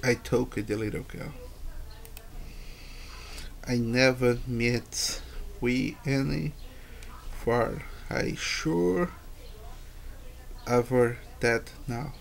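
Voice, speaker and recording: A man with a Brazilian accent, a native Portuguese speaker, haltingly reading aloud as an English learner and repeating words and phrases. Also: medium pitch, steady tone, gravelly. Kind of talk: halting read-aloud pronunciation practice.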